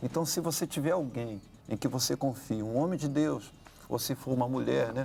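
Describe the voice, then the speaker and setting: Music plays in the background. A man with a medium pitch talks at a moderate pace. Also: ordinary pitch variation, very even loudness. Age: 50s. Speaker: pastor. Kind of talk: religious talk show conversation.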